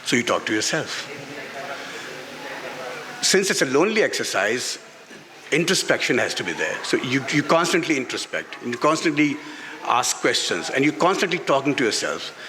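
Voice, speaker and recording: A middle-aged Pakistani man speaks in a bright, forceful voice of medium pitch. He answers as an author in a live interview, candid and emphatic, often repeating a phrase. Some ambient noise sits behind him. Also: sing-song, normal speed, pauses often. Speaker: author on a festival panel. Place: live literary festival session in a garden venue. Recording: live event with background noise.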